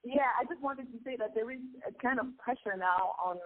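A woman's voice: on the high side, brisk. Congolese woman singer on a phone line. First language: Lingala. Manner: earnest, reflective, with hesitant restarts. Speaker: singer and guest. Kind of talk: casual interview chat.

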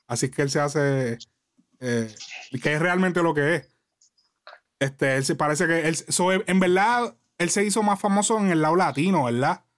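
A man hosting a casual chat, animated and laughing often, mixing in English. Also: fairly high pitch. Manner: animated, laughing, code-switching. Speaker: podcast host.

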